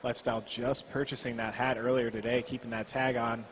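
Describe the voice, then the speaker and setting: A young man calls an esports match, switching between play-by-play and playful jokes. His voice sits mid-range. Clear crowd and venue noise surrounds him. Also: medium pitch, level tone. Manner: playful, quick-witted banter. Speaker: esports co-caster.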